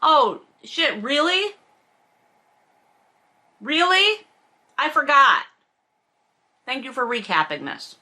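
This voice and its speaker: A woman's voice: high-pitched, very animated, slow, long pauses, bright, forceful tone. A woman hosting a book read-along, reading aloud and commenting in a blunt, profane, sarcastic and casual way. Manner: sarcastic, emphatic.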